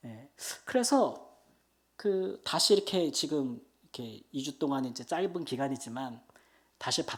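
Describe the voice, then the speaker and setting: Emotional missionary testimony in a church, speaker in their 50s, colloquial, lots of fillers, gets loud then drops soft. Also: medium pitch. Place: church prayer meeting.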